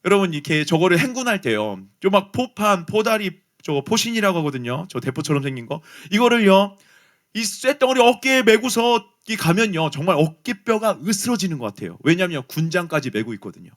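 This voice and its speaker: Animated high-voiced Korean pastor. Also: male voice, a little fast. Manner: animated storytelling, addresses listeners directly. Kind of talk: youth sermon with personal story.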